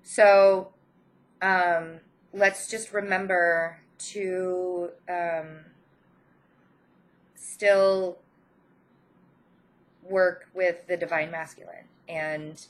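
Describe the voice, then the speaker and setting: A channel host with a head cold gives her viewers an informal spiritual card reading, gentle and encouraging, pausing hesitantly mid-phrase. Her voice is fairly low and steady, and the audio quality is poor.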